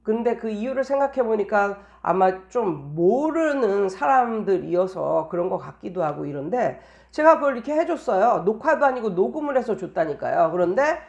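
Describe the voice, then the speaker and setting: A woman's voice: medium pitch, very animated, moderate pace, gravelly, few pauses, darkish tone. A woman tutor talking casually in an anecdotal monologue, explaining things and repeating phrases for emphasis. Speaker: private English tutor giving teaching tips.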